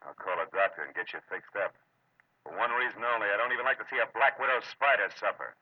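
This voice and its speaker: A man's voice: lowish voice, fast talker, close to an everyday voice. An American man acting a wry, world-weary private detective in a terse, hard-boiled 1940s radio drama style. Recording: muffled, noisy vintage radio recording.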